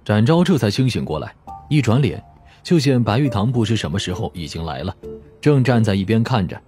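A man's voice: on the low side, very animated, brisk, darkish tone, soft background music. A man narrating a novel in a scripted, dramatic audiobook style.

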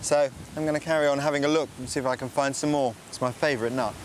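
Male survival presenter, mid-range voice, calm step-by-step explainer, recorded outdoors on a tropical island. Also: medium pitch, fast talker, a little hiss or hum. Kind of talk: documentary narration and on-location demonstration.

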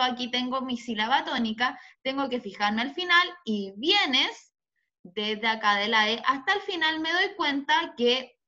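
A woman's voice: on the high side, sharp tone. Patient teacher quizzing her class. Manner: patient, slow, quizzing students. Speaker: schoolteacher. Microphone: video call. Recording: muffled video-call audio.

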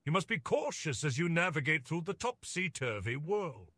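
A man's voice: a little high, very animated, normal speed, bright, forceful tone, no echo, heavily acted. A man voicing a tiny scheming mad scientist sea creature in a video game, with a theatrical German accent. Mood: grave, urgent.

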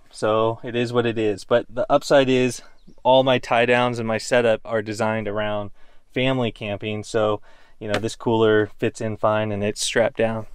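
A man's voice: mid-range voice, clean tone, dry recording. A young man from the northwestern United States casually walks through his car camping setup, rambling with many fillers, filmed outdoors on a handheld camera at arm's length. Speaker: vlogger. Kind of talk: casual gear walkthrough. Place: outdoors by an open car in a burned forest.

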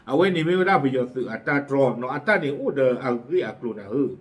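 His mid-range voice is sing-song and racing as he covers community news in an easygoing, chatty manner. Fillers and asides come up often in this casual spoken commentary.

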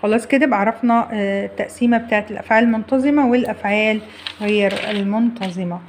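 A young adult woman with an Egyptian Arabic accent teaching an online English grammar lesson, explaining step by step and repeating key words slowly. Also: mid-range voice.

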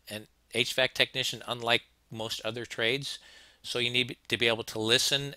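A man's voice: on the low side, pushed and bright, no echo. A man teaching an HVAC training course, talking casually over slides and often restarting his sentences. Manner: plain-spoken, conversational, frequent restarts and repeats. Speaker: HVAC instructor. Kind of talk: narrated slide lecture.

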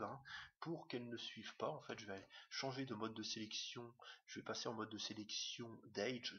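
Man, lowish bright voice, rushed hesitant tutorial delivery, muffled home mic. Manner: fast, hesitant, many fillers. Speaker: software tutorial instructor. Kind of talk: screen-recorded software tutorial. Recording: dull lo-fi mic with faint hiss.

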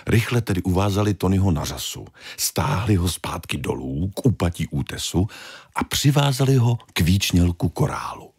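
Male audiobook narrator for kids' tales; husky, gravelly, lively. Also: sits low. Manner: expressive, animated reading. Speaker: storyteller. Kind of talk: audiobook fairy-tale reading.

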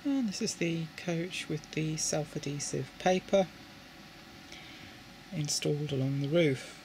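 A man's voice: a little high, slow pace, a little mellow, a little hiss or hum, poor audio. A British man explaining his model railway coach lighting work in a casual tutorial, often repeating words as he handles the parts. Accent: British English. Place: indoors at a table with a model railway.

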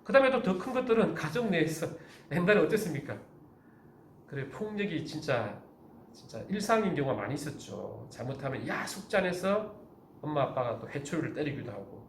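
Lively, high-voiced male lecturer in an echoey room. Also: a little fast, a little hiss or hum. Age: 50s. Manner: lively, often asks the audience rhetorical questions. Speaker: teacher giving a lecture. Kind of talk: lecture to teachers.

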